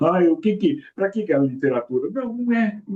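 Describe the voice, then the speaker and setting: Intonation is lively. The pace is moderate. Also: man. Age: 60s. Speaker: literary show host. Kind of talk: interview conversation. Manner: halting, repetitive.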